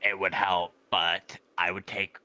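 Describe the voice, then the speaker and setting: A man roleplaying a gruff, grudging adventurer who talks bluntly in terse grumbles. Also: low-pitched, little pitch movement, unhurried, pushed and bright, no echo, full character voice. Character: gruff, grudging, surly adventurer needing help. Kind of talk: improvised virtual reality roleplay.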